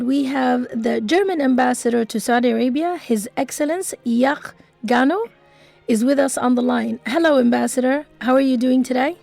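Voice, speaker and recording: A woman hosting a radio interview, asking polite, measured questions. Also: sits high, gravelly, a little mellow. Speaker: radio host.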